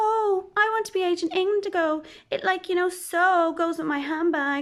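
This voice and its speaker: A woman talks at a moderate pace in a squeaky, extremely high-pitched put-on character voice. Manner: mocking, camp.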